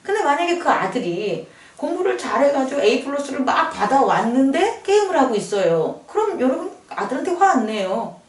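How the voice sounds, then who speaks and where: A woman's voice: high voice, very animated, fairly quick, echoey room, far from the mic. A woman pastor preaching a sermon in a conversational way, often asking the congregation questions. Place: church sanctuary.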